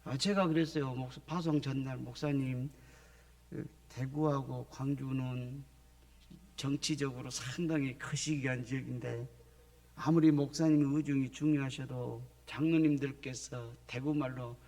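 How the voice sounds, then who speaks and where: A man's voice: medium pitch, steady tone, measured pace, a little mellow. Middle-aged jeolla guy preaching a testimony in church, plays out the phone calls in little voices. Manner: storytelling, acting out phone calls in other voices. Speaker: missionary preacher. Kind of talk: sermon testimony. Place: church sanctuary.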